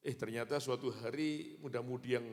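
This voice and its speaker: A man's voice: mid-range voice, fairly quick. A man, preaching a sermon, telling stories with acted-out dialogue and calling out to the congregation. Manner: animated storytelling preacher, acts out dialogue, calls to the congregation. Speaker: pastor. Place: church hall. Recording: long church hall reverb.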